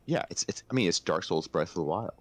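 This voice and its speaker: A man co-hosts a casual podcast, discussing video games in a low voice. He talks fast and animatedly, with emphatic enthusiasm.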